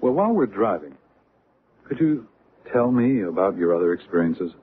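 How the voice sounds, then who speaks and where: An actor playing a calm, probing man in a vintage radio drama, asking questions in a measured, gentle way. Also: fairly low pitch. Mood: calm, curious. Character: calm, probing male listener drawing out a story. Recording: noisy, tinny old radio recording.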